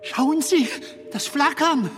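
An actor playing a gentle, wistful film comedian in a radio drama, speaking in halting, hushed, wondering phrases. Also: male voice, extremely high pitch, music in the background. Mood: hopeful urgency. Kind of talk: radio drama acting in German.

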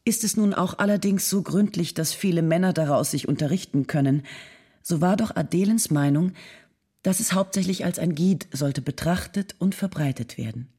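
A husky, affectionate letter writer. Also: female voice, lowish voice, moderate pace, warm tone. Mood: encouraging. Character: affectionate, encouraging 19th-century woman writing to an old friend. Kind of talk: dramatic reading of historical letters.

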